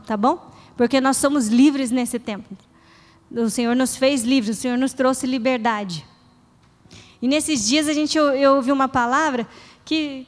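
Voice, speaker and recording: A middle-aged woman pastor preaching in a church, earnest and conversational, acting out short prayers. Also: sits high. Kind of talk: sermon. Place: church hall. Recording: reverberant church hall.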